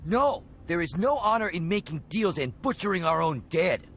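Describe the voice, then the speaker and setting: An actor playing an angry young tribal warrior who speaks in an accusing, fiery way. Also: male voice, sits high, very animated, normal speed, a bit bright, slight background noise, exaggerated voice. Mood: furious.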